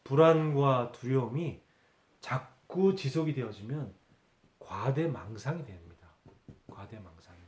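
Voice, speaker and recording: A man's voice: mid-range voice, expressive, measured pace, a little mellow, roomy sound, a little hiss or hum. A man preaching a Sunday sermon as pastor, asking rhetorical questions and repeating key words for emphasis. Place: church sanctuary.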